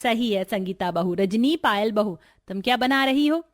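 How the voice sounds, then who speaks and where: A woman's voice: fairly high pitch, animated, moderate pace, close to an everyday voice. A woman voicing a stern, traditional middle-aged mother-in-law who speaks firmly and with dignity. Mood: determined. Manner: firm and dignified.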